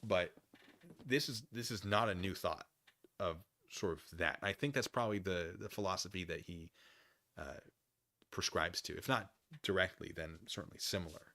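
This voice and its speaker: A man hosting a casual livestream, thinking out loud in an opinion monologue, often rephrasing and qualifying what he says. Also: deep voice. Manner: musing, halting, often rephrasing and qualifying himself. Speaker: livestream host. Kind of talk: casual opinion monologue, answering chat comments.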